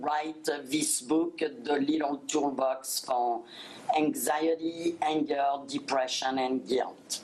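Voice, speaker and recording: A woman speaks with a French accent at a very slow pace. Her pitch is very deep and low. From France. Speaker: author. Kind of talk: interview. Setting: studio.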